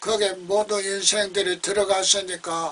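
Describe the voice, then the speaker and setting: The speaker has a Gyeongsang accent. Noticeable background noise runs under the voice. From Gyeongju, South Korea. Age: 80s+. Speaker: church deacon. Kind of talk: religious testimony about heaven and hell.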